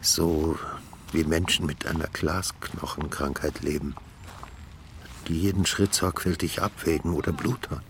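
A man narrating a literary radio play in a calm, measured way. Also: very deep voice, noisy background.

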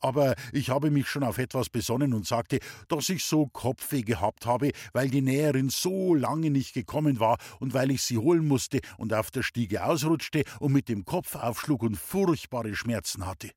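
A man reading a humorous story aloud in the first person, with a lively, cheeky telling. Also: mid-range voice, moderate pace, few pauses, husky, no echo, studio quality. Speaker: audiobook reader.

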